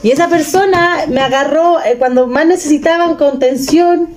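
A woman's voice: high-pitched, moderate pace, darkish tone. A Chilean woman in her thirties, casually retelling a personal story with emotion and many restarts. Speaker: vlogger.

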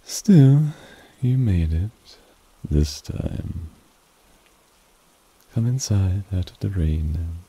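A man's voice: low-pitched, lively intonation, extremely slow, long pauses, dark tone, breathy edge, full character voice. A man voicing a suave, possessive vampire who teases and dotes on his pet in an ASMR roleplay, purring with condescending affection. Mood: teasing, menacing. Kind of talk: ASMR roleplay addressed to the listener. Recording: rain ambience noise behind voice. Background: rain.

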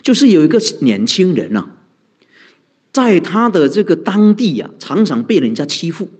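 A man's voice: a little high, very animated, normal speed, a little mellow, slightly rough. A man, a Buddhist monk giving a conversational dharma talk, asking rhetorical questions and answering them, chuckling often. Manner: chuckles often, heavy use of sentence-end particles.

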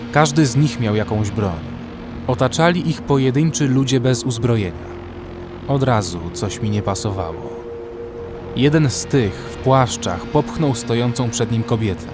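A man narrating a horror story in the first person, scripted and dramatic. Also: medium pitch. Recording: music behind the voice.

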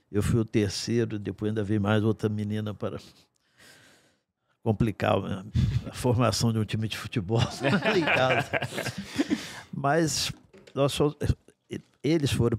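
A man in his sixties, a guest in a podcast studio, telling stories from his life in an unhurried, wry way with dry asides. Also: mid-range voice, creaky, no echo. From Brazil. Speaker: guest singer-songwriter. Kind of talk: storytelling in a podcast interview. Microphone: studio mic on a stand.

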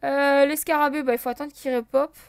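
A woman's voice: sits high, steady tone, a little fast, no echo, studio quality. A woman casually commenting on her gameplay as a let's play host, thinking aloud with many fillers and talking to her viewers. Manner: counts and checks items out loud.

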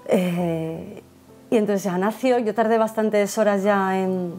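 Spanish mom telling her story, earnest, lots of "o sea", soft music behind. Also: medium pitch, fairly even intonation, slow pace. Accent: Spain. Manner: earnest, reflective, many fillers. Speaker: interviewee, mother. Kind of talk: personal testimony.

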